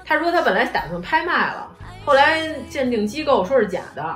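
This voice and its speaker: A woman's voice: high voice, brisk. A woman with a Beijing accent chatting casually and teasingly as a podcast host. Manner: animated, teasing. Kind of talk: casual chat. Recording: roomy echo, faint music behind.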